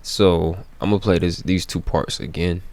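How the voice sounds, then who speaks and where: A man's voice: sits low, steady tone, normal speed, a little mellow. A man hosting a gaming video with casual let's-play commentary.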